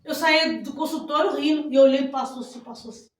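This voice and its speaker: A Brazilian woman pastor with a high voice gives an animated preaching testimony, bursting into loud praise. She sounds far from the mic, and her voice rings through a very echoey hall. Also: fast.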